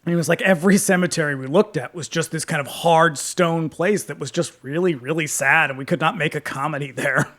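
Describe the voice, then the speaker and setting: A man's voice: fairly high pitch, a little fast, few pauses, fairly bright tone. A man co-hosting a podcast, chatting casually about a film, quoting his notes and interviews, swearing and laughing often. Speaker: podcast co-host.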